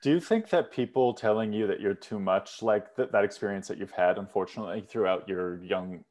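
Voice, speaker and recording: A man's voice: lowish voice, fairly quick, darkish tone. A young man hosting an interview on a video call from his bedroom, asking rambling, thoughtful questions with lots of "like". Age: young adult. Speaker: host. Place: bedroom at home, indoors. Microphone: headset on a video call.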